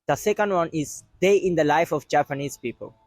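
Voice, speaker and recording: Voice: mid-range voice, brisk, darkish tone, no echo. A channel host interviewing passersby, asking short direct questions and reading an intro. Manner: short prompting questions, plain delivery.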